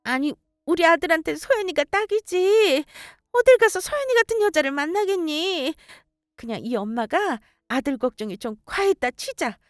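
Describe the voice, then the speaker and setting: A woman voicing a tearful older mother-in-law who pleads in a high, wailing voice. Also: expressive, moderate pace, dry recording, clean studio sound. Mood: coaxing.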